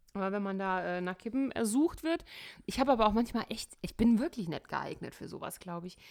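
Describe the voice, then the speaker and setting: With a normal speaking voice at medium pitch, a woman talks at a fairly quick pace, her intonation lively and her loudness swinging widely. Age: 40s. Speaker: podcast co-host. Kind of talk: casual chat.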